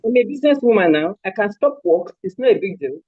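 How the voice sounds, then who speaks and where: Talking about raising her children, an older Nigerian-accented woman from Lagos, a mother and grandmother, is a guest in a live interview. She speaks fast in a mid-range voice with lively intonation, firmly and emphatically repeating her points with force. The recording is dry and muffled.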